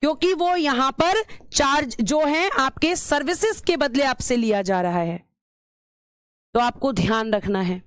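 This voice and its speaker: A woman's voice: sits high, measured pace, clean tone, no room sound, studio quality. A woman teacher giving an exam-prep lecture, repeating key terms and asking and answering her own questions, calling her students "beta".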